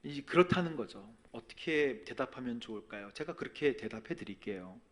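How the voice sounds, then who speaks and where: A man preaching a sermon as a pastor, telling a personal testimony and swinging between soft and loud. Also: mid-range voice, lively intonation, a little fast. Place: church sanctuary.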